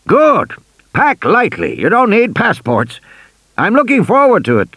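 A man's voice: high voice, huge pitch swings, measured pace, fairly bright tone, breathy edge, dry recording, voice pushed up, full character voice. A man voicing a cheery, insistent old male tycoon who coaxes and presses on the phone. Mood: brisk. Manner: insistent, persuasive, coaxing.

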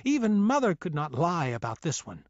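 Man with a raised pitch, sombre narration. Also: sing-song, no room sound, muffled recording. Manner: measured, sombre first-person reading. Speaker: audiobook narrator. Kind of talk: scripted memoir narration.

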